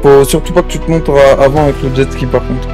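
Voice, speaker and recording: A streetwise gang member acted by a man in an online game. He has a medium-pitched voice and gives casual, slangy directions to his crew. Faint music runs underneath. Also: fairly even intonation, fast, natural voice. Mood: focused. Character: male gang member, streetwise, coordinating heist escape. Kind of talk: improvised online roleplay game, casual tactical chat.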